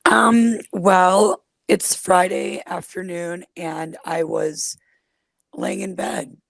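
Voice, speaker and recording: A woman's voice: fairly low pitch, very slow, gravelly, dry recording. Scratchy-voiced woman in her forties. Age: 40s. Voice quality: super scratchy voice. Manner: self-deprecating, laughs often. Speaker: guest comedian. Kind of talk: casual podcast chat.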